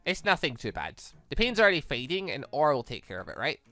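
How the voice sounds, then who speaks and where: A kind young student hero from a visual novel, read by a let's player. The delivery is earnest and reassuring, bright in tone with animated pitch. It sounds close and dry. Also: fast talker, no echo, faint music behind. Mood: dismissive.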